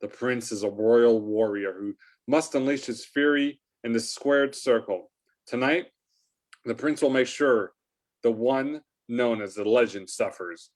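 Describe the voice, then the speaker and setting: Mid-pitched man reading stage directions. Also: a little slow. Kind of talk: scripted narration in amateur staged reading.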